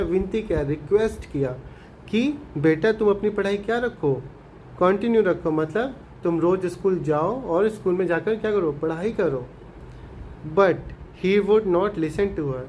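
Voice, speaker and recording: High-voiced man teaching a story lesson. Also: darkish tone, slight background noise, poor audio. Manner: asks and answers his own questions, repeats 'okay' often; reads English lines slowly, then explains them. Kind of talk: explaining an English story lesson in Hindi.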